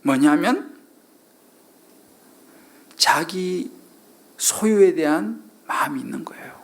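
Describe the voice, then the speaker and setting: A man's voice: high voice, lively intonation, slow pace. A middle-aged male pastor preaching a sermon, constantly asking the congregation questions and acting out quoted lines.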